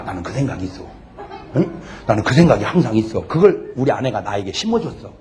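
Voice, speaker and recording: A middle-aged man preaching a humorous revival sermon to a congregation, lively and joking, swinging from loud shouts to soft asides. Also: medium pitch, a little hiss or hum. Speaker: pastor. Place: church sanctuary before a congregation.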